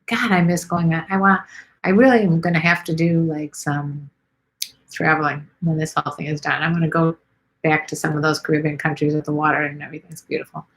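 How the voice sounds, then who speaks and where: A woman's voice: low-pitched, flat delivery, a little fast, low-quality recording. A middle-aged woman from Chicago hosts a live stream, chatting casually and rambling with lots of ums as she reads viewer comments. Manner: chatty, rambling, many ums and let's sees.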